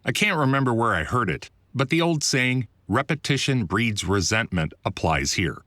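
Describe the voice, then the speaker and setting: A man, an author and voiceover producer, reads his own nonfiction audiobook close on a studio voiceover mic, in scripted narration that feels conversational, wry and articulate. His mid-range voice is sing-song and fairly bright, at a moderate pace, with no echo.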